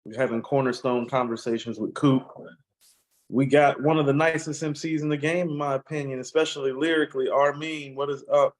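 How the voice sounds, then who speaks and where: A man's voice: medium pitch, level tone, fairly quick, rough recording. A man hosting a casual interview who asks long, winding questions with "you know" fillers. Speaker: interview host.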